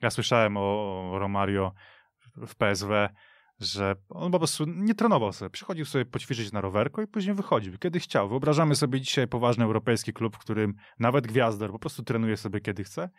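A man's voice: fairly low pitch, expressive, a little fast, dry recording. A man on a radio football panel, opinionated and talkative in casual studio chat. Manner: opinionated, storytelling. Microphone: studio mic.

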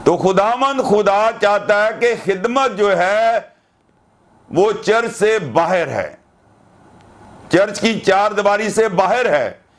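An older man delivers a sermon in a fairly high voice. He speaks slowly and deliberately, pressing his points with earnest rhetorical questions. He is seated close to a camera in a small studio. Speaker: preacher. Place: indoor studio with curtain backdrop.

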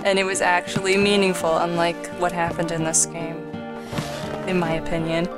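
A woman's voice: on the low side, little pitch movement, moderate pace, music in the background. A woman hosting a let's play, giving casual commentary as she plays. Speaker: gamer, let's play host.

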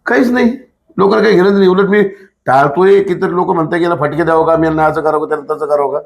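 A man's voice: on the high side, steady tone, fast talker, gravelly. A man, an activist answering in a casual interview in a blunt, emphatic way with rhetorical questions. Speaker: political activist, interview guest.

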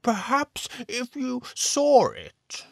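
An actor playing a persistent, quietly sinister elderly shop owner in an audio drama, unhurried and insinuating. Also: male voice, very high-pitched, sing-song, vocal fry, no room sound, clean studio sound, exaggerated voice. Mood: sly, coaxing.

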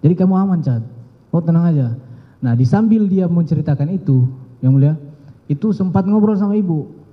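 A young man giving halting, deferential testimony in court, repeatedly addressing the judge. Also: on the high side, animated. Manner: halting, deferential, often says "Yang Mulia". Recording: muffled broadcast audio with long courtroom reverb.

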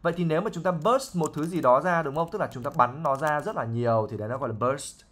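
A man's voice: on the high side, fast, fairly bright tone. A man, an English teacher patiently explaining a novel line by line, with fillers and frequent checks for understanding.

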